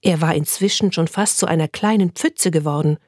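Woman reading a story in a low voice. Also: fairly quick, a little mellow, no echo, clean studio sound. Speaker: story reader.

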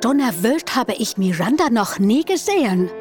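A woman's voice: a little high, sing-song, moderate pace, music in the background. A woman playing a nosy, chatty onlooker with family from India, making wry, gossiping remarks in an audio drama.

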